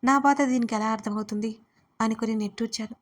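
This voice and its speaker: Expressive young woman storyteller, highish voice. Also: fast talker. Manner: expressive, pleading in dialogue. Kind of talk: first-person audio story narration.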